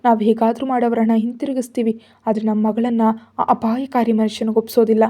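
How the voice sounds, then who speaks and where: A woman voicing a desperate middle-aged mother who shouts in anger. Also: fairly high pitch, little pitch movement, a little fast, close to an everyday voice. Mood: angry. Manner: shouting, indignant.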